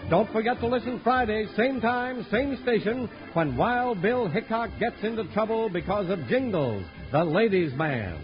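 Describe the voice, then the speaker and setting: Male old-time radio announcer, high and sweeping delivery, emphatic sponsor pitch on a vintage recording. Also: lively intonation, moderate pace, few pauses, dull audio. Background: music.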